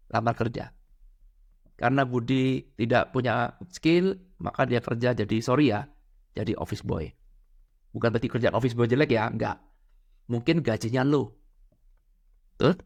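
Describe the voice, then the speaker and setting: A man giving a motivational talk on money and happiness, asking rhetorical questions, acting out little scenes and mixing in English words. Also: medium pitch. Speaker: financial and spiritual coach.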